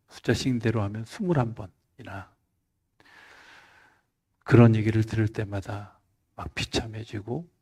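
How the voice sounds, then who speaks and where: A male pastor delivers a Friday night sermon in church. His voice is husky and mellow, climbing to loud emphasis and then dropping to near-whispers. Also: on the low side.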